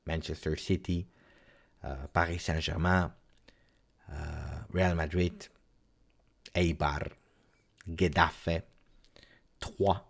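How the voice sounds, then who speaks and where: A man with an Italian accent chatting on a live stream as an emotional football fan, theatrical, with repeated phrases and dramatic pauses. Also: deep voice, vocal fry. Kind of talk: casual live-stream chat.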